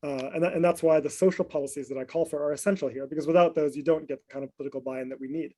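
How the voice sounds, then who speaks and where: A man's voice: fairly high pitch, fairly even intonation, racing, dark tone. A man speaking as a panelist in an academic discussion, thinking aloud with frequent restarts and "right?" tags.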